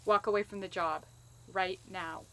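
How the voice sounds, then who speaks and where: A woman's voice: medium pitch, fairly even intonation, moderate pace, fairly bright tone, natural voice. A woman playing a determined but wounded wartime agent in an audio drama, earnest and emotional. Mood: hurt, pleading. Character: determined, wounded female wartime agent rescuing her lover.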